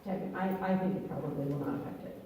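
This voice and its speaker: Woman, attorney, panel answers, measured, hedging, low pitch, far from mic, echoey hall. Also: steady tone, dark tone, slight background noise. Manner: measured, hedging, thinks aloud. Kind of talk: answering audience questions. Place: church hall at a public meeting.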